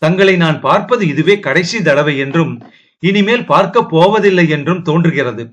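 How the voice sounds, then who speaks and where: A tearful young princess speaks in a fairly high, pleading voice, read by a man narrating an audio novel. She sounds sorrowful and afraid. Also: animated, moderate pace, natural voice.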